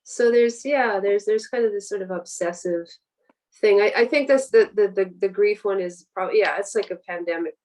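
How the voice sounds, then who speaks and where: A woman with a Canadian accent talks as a writer being interviewed. Her voice sits at a middling pitch, and she feels her way through sentences in a hesitant, conversational style. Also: darkish tone. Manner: hesitant, halting, searching for words. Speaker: guest writer and poet. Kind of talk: casual literary interview.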